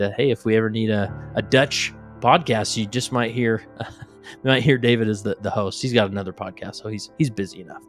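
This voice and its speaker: A man hosting a podcast interview in a casual, upbeat way, with loose fillers like "you know.". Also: mid-range voice.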